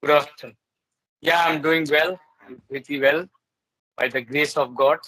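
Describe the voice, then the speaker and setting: With a bright, forceful voice on the high side, this man keeps a steady tone at normal speed. He's an English learner with an Indian English accent and Urdu as his first language, chatting hesitantly on a casual video call amid many fillers and restarts. The low-quality recording carries no room sound.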